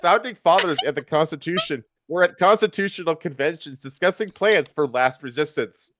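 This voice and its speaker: A man's voice: a little high, moderate pace, fairly bright tone. A man doing a comic reading of fan fiction on a stream, with casual asides.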